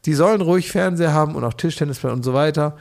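A man's voice: fairly high pitch, racing, vocal fry, darkish tone. A man co-hosting a podcast in casual chat, telling ironic stories and often restarting his sentences. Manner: ironic, rambling storytelling with many restarts. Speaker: podcast co-host.

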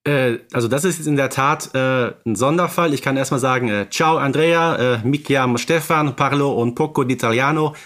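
A man's voice: medium pitch, moderate pace, few pauses, fairly bright tone. A man co-hosting a podcast in casual discussion, appreciative and feeling his way through his phrasing. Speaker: podcast co-host.

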